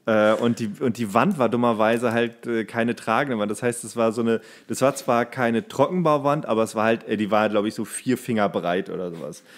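A man chatting casually as a podcast host, telling anecdotes in a halting way and often correcting himself. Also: medium pitch, fairly even intonation. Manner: halting, self-correcting storytelling. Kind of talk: casual chat, rambling anecdote.

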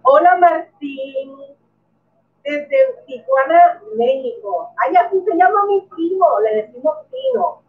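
A woman's voice: very high-pitched, big pitch swings, slow. A middle-aged woman with a Puerto Rican accent hosts a live stream from her bedroom, chatting and greeting viewers by name. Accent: Puerto Rican Spanish. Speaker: coin collecting youtuber. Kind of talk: live stream chat reading comments. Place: bedroom at home. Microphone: webcam. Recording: tinny, distant webcam sound.

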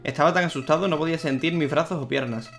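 A man's voice: fairly high pitch, quick pace, gravelly, a bit bright, faint music behind. A man reading a cold, soulless talking flower. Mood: somber. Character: sinister soulless talking flower, once a boy.

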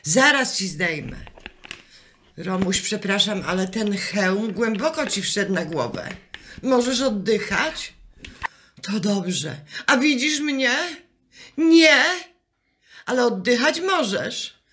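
A woman's voice: mid-range voice, animated, takes it slowly, fairly bright tone, slight background noise. A woman playing a chatty, fussing, cheerfully muddled wife in an amateur radio comedy, coaxing and exclaiming. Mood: fussing, apologetic.

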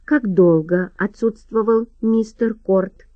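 A woman reading a calm, careful detective. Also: medium pitch, unhurried, no room sound, narrow, tinny audio. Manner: gentle, careful questioning.

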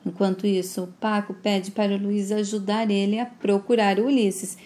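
A woman's voice: medium pitch, flat delivery, normal speed, dark tone. A Brazilian woman retelling a soap opera episode in a plain, conversational way. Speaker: narrator. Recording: roomy echo.

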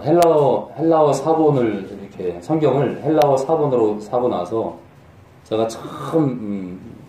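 A middle-aged male pastor giving a sermon in a conversational, animated way that rises to emphatic peaks. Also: lowish voice, far from the mic. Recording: echoey room from off mic.

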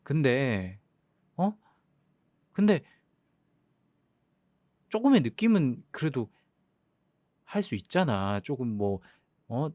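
A man's voice: medium pitch, big pitch swings, slow, pauses often, darkish tone, no room sound, studio quality. A young man playing a jealous boyfriend in a role-play drama, sulky and exasperated. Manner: sulky, hurt, exasperated complaining.

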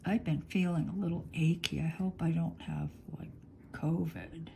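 A middle-aged woman teaching clay work in her home studio, talking slowly as she thinks aloud, a little sniffly. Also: low voice, fairly even intonation, gravelly, darkish tone, a little hiss or hum. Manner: slow, thinking aloud while working with her hands. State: sniffly, congested. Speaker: polymer clay artist teaching. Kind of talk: relaxed studio demonstration. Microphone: overhead camera on hands, speaker off screen.

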